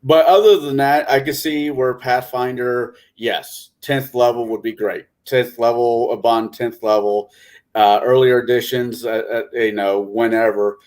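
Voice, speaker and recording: A man's voice: medium pitch, steady tone, unhurried, darkish tone. A man on a podcast panel discussing casually, hesitantly circling back to rephrase his points.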